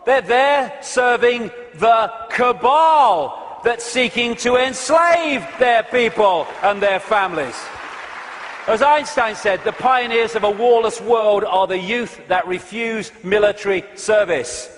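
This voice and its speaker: A man with a notably high voice speaks slowly and emphatically, each phrase landing with weight. The sound rings out with the long reverb of a large hall. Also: a bit bright, a faint crowd. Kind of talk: impassioned speech.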